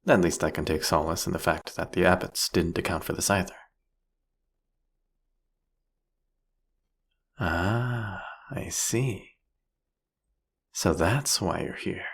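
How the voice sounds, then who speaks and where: A man playing a captured vampire king in an audio roleplay, sardonic and silkily menacing, with a husky, gravelly voice and theatrical, taunting phrasing. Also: low-pitched, a bit bright, full character voice. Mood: sly, probing. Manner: theatrical, mocking, drawn-out, teasing phrasing. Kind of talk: scripted audio roleplay monologue addressed to the listener.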